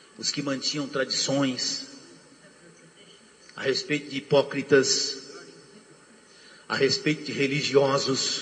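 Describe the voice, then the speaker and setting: A man with a fairly high voice speaks very slowly in a flat monotone, pausing long and often. Noticeable noise sits in the background. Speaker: pastor. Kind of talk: sermon. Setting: church service with interpreters.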